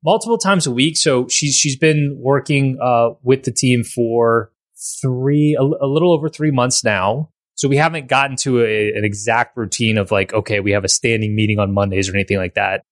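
A man's voice: mid-range voice, normal speed, hardly any pauses, no echo, studio quality. A man hosting a podcast in casual conversation, rambling with frequent restarts and repeated words. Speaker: podcast host.

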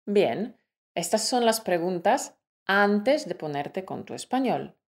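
A woman co-hosting a language-learning podcast, explaining in a clear, measured teaching voice. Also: medium pitch, big pitch swings. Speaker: co-host of a Spanish-learning podcast.

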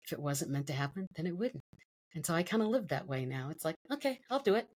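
This middle-aged interview guest talks fast and animatedly, her low, darkish voice carrying a breathy edge. Telling her own story with emotion and vivid detail, she voices the words of others as she goes.

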